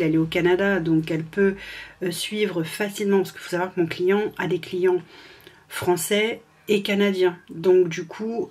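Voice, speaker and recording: A woman's voice: fairly low pitch, a little mellow, breathy edge. A woman from France, a freelance administrative assistant, chatting casually in a vlog from home with a sore throat, hesitant with many fillers and restarts.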